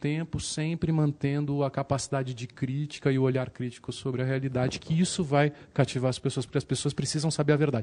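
This man's voice has a fairly high pitch. His intonation is fairly even. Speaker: journalist. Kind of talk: panel debate. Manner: halting.

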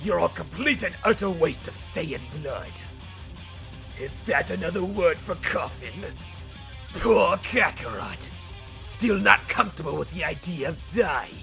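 Clear music plays in the background. A man performs a put-on character voice at a moderate pace. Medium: voice reel. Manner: menacing, taunting.

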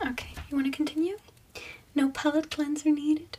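Noticeable background noise fills the recording. Through it comes a woman's voice. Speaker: ASMR creator. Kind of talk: ASMR perfume shop roleplay, personal attention. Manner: soft-spoken, gentle. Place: home room.

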